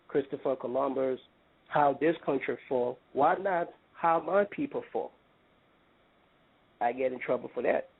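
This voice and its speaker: Speaking with a non-native accent, a man holds a moderate pace. His fairly high pitch shows ordinary variation. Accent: foreign. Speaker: caller. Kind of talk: casual chat.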